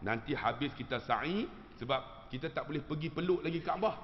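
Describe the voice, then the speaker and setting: A man preacher with a Malaysian Malay accent telling an animated, humorous story to his congregation. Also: a little high, brisk, a little hiss or hum. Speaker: religious teacher. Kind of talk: storytelling sermon. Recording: dull lo-fi sound with long hall reverb.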